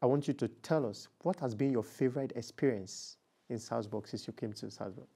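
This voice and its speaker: Male talk show host, dark mellow tone, mid pitch, affirming conversational interviewer who echoes his guest. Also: brisk, gravelly, slightly rough.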